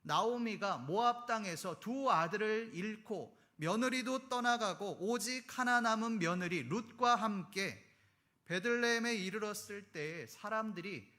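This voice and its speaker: A man's voice: high-pitched, a little slow, sharp tone. A male pastor delivering a sermon, earnestly preaching and putting rhetorical questions to his congregation.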